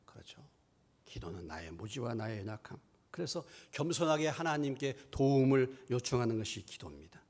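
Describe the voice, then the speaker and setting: A middle-aged man preaching a sermon as pastor in a church, asking rhetorical questions and moving between hushed asides and raised, emphatic lines. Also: mid-range voice, lively intonation, fairly quick. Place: church sanctuary.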